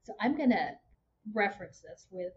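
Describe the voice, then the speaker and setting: A woman's voice: mid-range voice, moderate pace. A woman in her forties with a Texas twang, talking frankly and chattily as a guest in a casual interview. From Houston, Texas, born in Vietnam. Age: 40s. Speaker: podcast guest. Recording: muffled with steady background noise.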